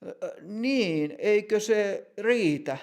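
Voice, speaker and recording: A man's voice: sits high, expressive, darkish tone, pitched above the performer's own voice. Man doing a flustered, stammering young man. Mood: hesitant. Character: nervous young man on a date.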